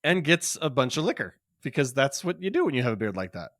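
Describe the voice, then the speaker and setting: A man's voice: mid-range voice, very animated, fast, fairly bright tone, no echo, studio quality. A man co-hosting a comedy podcast, trading teasing quips with his friends. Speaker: podcast co-host. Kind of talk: casual comedic podcast banter.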